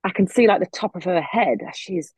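A woman's voice: on the low side, brisk, a little mellow, slightly rough, no room sound. A middle-aged woman from North Yorkshire with a general English accent, chatting as a guest art therapist in a self-deprecating way. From North Yorkshire, England. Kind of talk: casual chat. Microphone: video call.

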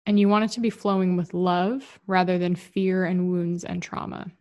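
A woman speaks in a casual, rambling monologue about relationships, frank and unguarded. Her voice sits a little low for a woman. She often restarts her sentences as she talks. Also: level tone, normal speed, darkish tone. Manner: candid, rambling, with frequent restarts. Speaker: relationship and spirituality talker.

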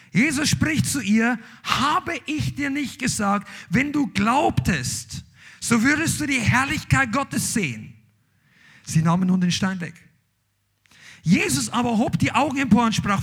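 A man's voice: high voice, slightly rough. A man preaching a sermon, reading scripture aloud and then driving his point home with emphatic, rising outbursts. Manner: emphatic, rising to shouts on key lines.

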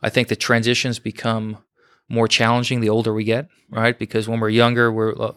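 Smooth, even-toned man in his forties. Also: on the low side, brisk, no room sound, clean studio sound. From United States, New York. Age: 40s. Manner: steady, modest storytelling with frequent fillers. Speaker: guest, former fighter pilot. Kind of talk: casual podcast interview.

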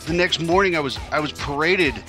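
A man's voice: on the high side, a little fast, over music. A man hosting a podcast, telling a painful personal story in a raw, profane way, stumbling and restarting often. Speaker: podcast host.

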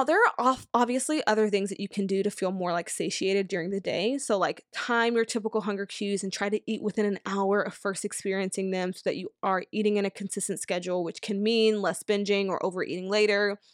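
A woman's voice: mid-range voice, fairly quick, hardly any pauses, no echo, studio quality. A woman in her thirties hosting a solo podcast, chatty and upbeat, full of fillers like "like" and "um". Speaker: podcast host. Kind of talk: casual solo podcast advice.

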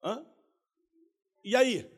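A man preaching a lively sermon. He keeps calling his listeners "irmão", stages role-play with the crowd and breaks into shouts. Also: very high-pitched, drawn-out words, husky. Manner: animated, calls listeners "irmão", bursts into shouts.

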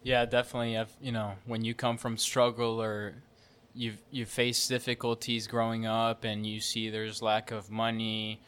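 Bright, clear-voiced man in his thirties. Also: fairly low pitch, moderate pace. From Mexico. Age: 30s. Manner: relaxed, plainspoken, repeats words when starting. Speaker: guest, real estate entrepreneur. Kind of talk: casual interview.

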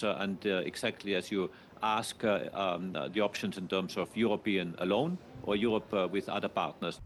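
A man's voice: fairly low pitch, slight background noise. A man answering a question at a press conference, hesitant and full of fillers. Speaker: agency official.

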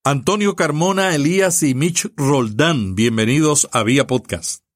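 A man with a Puerto Rican accent hosting a podcast, reading a scripted intro and interviewing guests in a measured, announcer-like way. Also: a little high, dry recording. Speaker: podcast host.

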